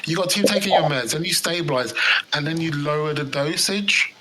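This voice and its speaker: A man interviewing a guest over a video call, repeating and restarting words while gently giving advice. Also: a little high, brisk. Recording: loud background noise.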